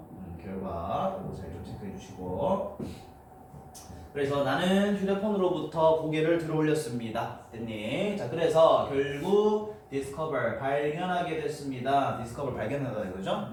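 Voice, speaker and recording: A man's voice: mid-range voice, darkish tone. A male teacher giving a classroom lecture on English grammar, explaining step by step and checking in with students. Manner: explains step by step, often asking students for agreement. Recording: roomy, distant, noisy room mic.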